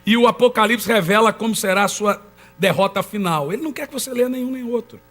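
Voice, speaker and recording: A man's voice: high voice, fast, a bit bright, soft background music. A man preaching a sermon to a congregation, emphatic and calling on the listeners to answer back. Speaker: pastor. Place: church in front of a congregation.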